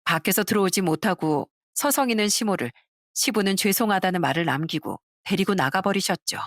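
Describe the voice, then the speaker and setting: A woman's voice: mid-range voice, lively intonation, a little fast, no room sound, studio quality. A woman narrating a first-person family story in a conversational storytelling manner.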